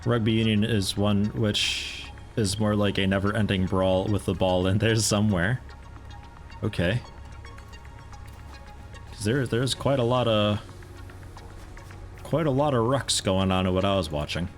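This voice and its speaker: Low-voiced man chatting through a stream. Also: unhurried, long pauses, soft background music. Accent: mixed American with picked-up European mannerisms. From United States. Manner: rambling, chatty, self-interrupting, amused. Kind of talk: casual live-stream chat while playing.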